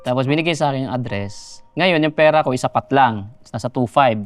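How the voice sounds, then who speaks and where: A man from Mindanao in his thirties, a guest in a studio interview, telling his life story in a soft voice that trails off quietly. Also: mid-range voice, brisk, no room sound, faint music behind. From Mindanao, Philippines.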